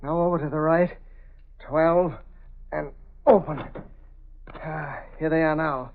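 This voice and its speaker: Muttering crooked schemer, talks to himself, dull old radio sound. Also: male voice, on the high side, steady tone, slow pace, gravelly, a little hiss or hum. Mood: hurried. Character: sneaky crooked man in a hurry. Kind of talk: 1930s radio drama acting.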